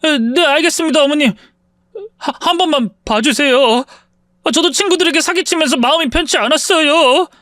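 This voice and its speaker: A man's voice: very high-pitched, lively intonation, normal speed, few pauses, a bit bright, no echo, studio quality. A man voicing a scheming male friend who stammers and begs after being caught out, in a dramatized story reading. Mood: pleading. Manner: begging, stammering. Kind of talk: storytelling voice acting.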